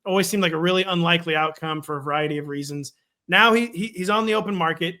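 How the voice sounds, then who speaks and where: A man co-hosting a casual sports chat, wry and joking, talking quickly and loosely. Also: a little high, bright, forceful tone. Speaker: podcast co-host. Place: home in the Midwest.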